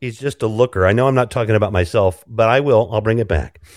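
With an American accent, a man talks in a normal speaking voice at a fairly low pitch, recorded very cleanly against a silent background. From US Midwest. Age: 50s. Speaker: podcaster. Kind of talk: casual chat.

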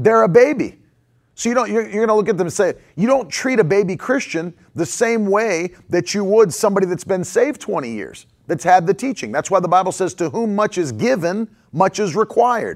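A man speaks fairly quickly at a high pitch. His intonation is lively and his tone animated. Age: 40s. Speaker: evangelist and podcast host. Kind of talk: sermon. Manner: filler-heavy, repetitive.

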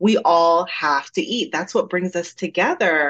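A woman speaks with a slight Jamaican accent and lively intonation. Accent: American English with slight Jamaican. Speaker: dietitian. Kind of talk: interview.

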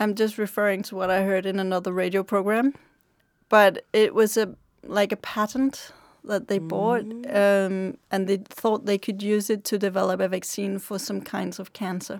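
A woman with a Danish accent talks at a medium pitch and a moderate pace, her intonation fairly even, in a very clean recording with a silent background. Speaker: communications head at HIV/AIDS organization. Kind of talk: interview.

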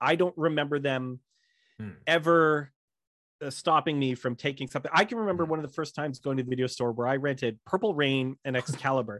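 Speaking at a fairly quick pace with ordinary pitch variation, a man uses a plain, everyday voice at a fairly high pitch with a Canadian accent. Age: 40s. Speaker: podcast co-host. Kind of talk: casual chat.

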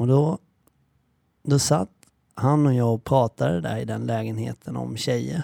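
Long, frequent pauses at a fairly slow pace, in a dry, close sound with no echo. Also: man. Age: 30s. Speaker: podcaster. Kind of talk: personal letter to late mother, spoken monologue. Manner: emotional, intimate.

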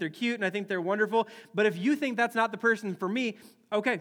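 A man with an American accent talks at a very fast pace in a raised, projected voice, high-pitched and bright, sharp in tone, with fairly even intonation. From US Midwest. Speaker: pastor. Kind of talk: sermon. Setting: church. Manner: informal, conversational, repeats words.

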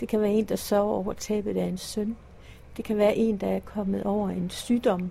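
A woman's voice comes across as dark, mellow and somewhat breathy. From Denmark, Ærø. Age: 60s. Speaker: pilgrim pastor. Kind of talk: interview. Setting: airport.

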